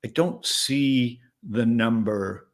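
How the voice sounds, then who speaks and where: A late-fifties man, an investor being interviewed, talks at an unhurried pace in a mid-range voice. The conversation is casual, and his answers are candid and meandering, often punctuated by "right?"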